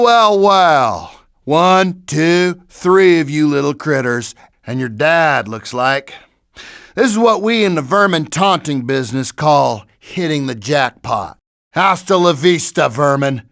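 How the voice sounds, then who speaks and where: A theatrical pest-killer villain from a video game. He is pompous and obsessed, taunting with relish. His voice sits on the high side and he savors words slowly. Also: a bit bright, exaggerated voice. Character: villainous, pompous, theatrical male vermin exterminator, obsessed with killing animals.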